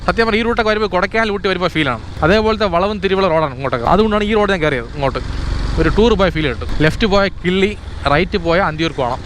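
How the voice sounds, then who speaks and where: Fast-talking man with Trivandrum Malayalam accent, English mixed in. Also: high voice, lively intonation, a bit bright. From Kerala, India. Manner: mixes English words into Malayalam; chatty, repetitive exclamations. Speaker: motorbike vlogger. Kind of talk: casual ride commentary. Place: outdoors on a moving motorbike. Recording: noisy outdoor recording with traffic and engine.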